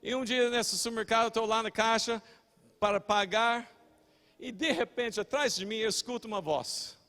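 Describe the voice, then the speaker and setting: An older male pastor preaches in a fairly high voice. He shouts his main points with force, then drops into relaxed, rambling anecdotes, stumbling and correcting himself as he goes. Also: moderate pace, long reverb tail. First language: English. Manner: fiery preaching with shouted peaks, chatty storytelling and self-corrections. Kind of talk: sermon.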